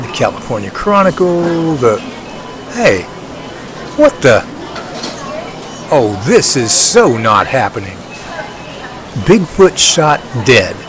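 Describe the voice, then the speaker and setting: A man playing an excitable, folksy guy who exclaims and talks to himself in homespun slang in an audio drama. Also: on the high side. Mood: musing, upbeat, then shocked, indignant. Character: excitable, folksy man named Jerry, indignant Bigfoot defender. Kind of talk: hobby audio drama acting.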